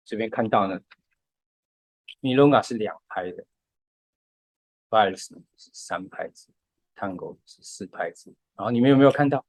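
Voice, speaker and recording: A man's voice: medium pitch, darkish tone, dry recording. A man, patiently explaining music step by step in a casual podcast chat.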